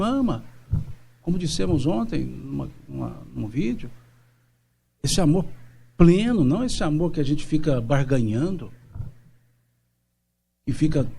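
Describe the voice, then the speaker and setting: Animated male spiritist lecturer, slightly high. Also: a little hiss or hum. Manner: animated, acts out little dialogues. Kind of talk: seminar talk. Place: lecture hall at a spiritist center.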